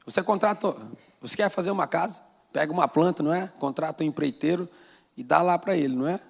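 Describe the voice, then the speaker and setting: Male Brazilian pastor, conversational sermon with rhetorical questions; somewhat high, gravelly voice in a reverberant church. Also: fast talker. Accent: Brazilian Portuguese. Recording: long church-hall reverb.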